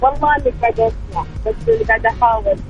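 A woman's voice: on the high side, racing, soft background music. A woman calling in to a radio contest from her car, heard over an unclear hands-free headset line and giving short, polite replies. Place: in a moving car. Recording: distant, muffled phone line.

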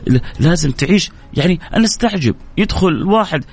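A man's voice: high voice, animated, fast talker, a little mellow, husky. A man preaching an emotional sermon, pleading and repeating phrases with stammered restarts.

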